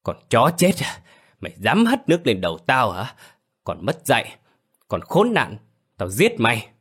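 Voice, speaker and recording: A man's voice: fairly low pitch, animated, moderate pace, sharp tone, husky, exaggerated voice. A man voicing a furious drunken husband who roars threats in a slurred voice.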